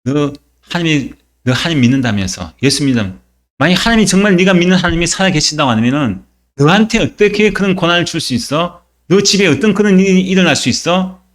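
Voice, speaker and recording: A man's voice: a little high, expressive, racing, long pauses, mellow, natural voice. A male pastor voicing a scornful unbelieving neighbor who taunts a churchgoer, inside a sermon. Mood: mocking. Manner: sneering, taunting.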